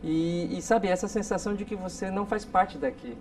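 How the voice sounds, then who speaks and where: A man in his forties from South Korea, a guest telling stories in a relaxed interview with many tag questions. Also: high-pitched, a little fast, soft background music. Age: 40s. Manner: storytelling, frequent tag questions. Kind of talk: casual interview talk. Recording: distant mic with faint noise.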